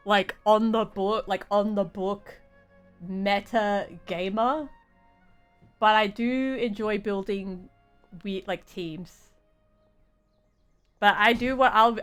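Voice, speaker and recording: A woman's voice: medium pitch, a bit bright, smooth. A woman chatting casually as she live-streams a video game, rambling and often restarting her phrases. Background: game music.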